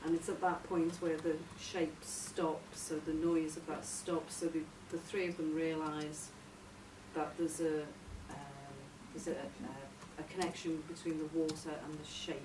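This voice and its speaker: Low-voiced woman, roomy distant recording. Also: flat delivery, a little slow. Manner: tentative, searching for words. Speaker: workshop participant presenting a radio drama outline. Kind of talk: halting informal story pitch. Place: echoey room, recorded from a distance. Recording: roomy, distant mic, noisy background.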